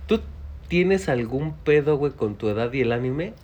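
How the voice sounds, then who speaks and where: A man's voice: medium pitch, animated, normal speed, darkish tone, lo-fi sound. A Mexican man hosting a podcast, asking questions and teasing the guest in slangy chat. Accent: Mexican Spanish. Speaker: podcast host. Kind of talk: casual chat.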